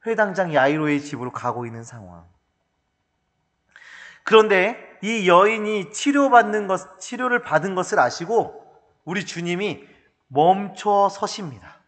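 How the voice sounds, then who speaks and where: A male pastor preaching a sermon in an animated, humorous storytelling manner, recorded in a church hall. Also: high voice, a little slow.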